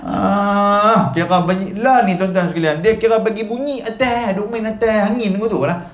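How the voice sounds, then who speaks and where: A male religious teacher from Malaysia gives a chatty mosque lecture, demonstrating and repeatedly modelling how Arabic letters are pronounced. His voice is high-pitched, his pace moderate, and the sound roomy.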